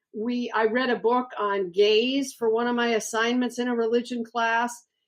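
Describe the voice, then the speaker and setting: Speaking at a moderate pace, a woman has a fairly high pitch and an American accent. She has an ordinary speaking voice. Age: 60s. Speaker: author. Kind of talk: interview.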